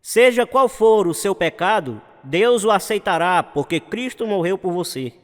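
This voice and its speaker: A man's voice: high voice, animated, measured pace, faint music behind. An actor playing an earnest male evangelist delivering a sermon of salvation in a radio drama. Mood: earnest, exhorting. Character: earnest male evangelist preaching to a crowd through loudspeakers. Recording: long hall reverb, like loudspeakers.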